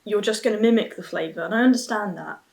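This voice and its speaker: Sitting at a table in a small plain room at home, a beer and snack reviewer in her twenties talks to camera in a relaxed, musing way, often starting her thoughts over. She's a fast talker with a mid-range, darkish voice and some vocal fry.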